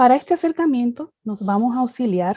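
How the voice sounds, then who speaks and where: The background is quiet as a woman with a fairly high pitch speaks at a moderate pace, the sound dry and close with no echo. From Dominican Republic. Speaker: theology lecturer. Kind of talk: online course lecture.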